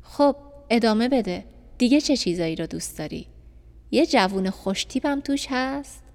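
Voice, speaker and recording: A woman's voice: fairly high pitch, expressive, in a large hall. A woman voicing an earnest, persistent male doctor who is in love, speaking insistently and directly in a storybook reading. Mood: teasing.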